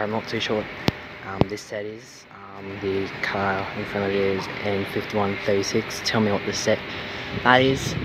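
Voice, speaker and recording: A man speaking at a fairly slow pace over loud background noise. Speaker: trainspotting vlogger. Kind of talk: casual vlog commentary. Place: station. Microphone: phone near.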